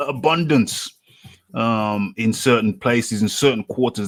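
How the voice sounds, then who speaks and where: A man speaks with an English accent at a moderate pace. His pitch is medium. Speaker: boxing talk show host. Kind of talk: casual chat.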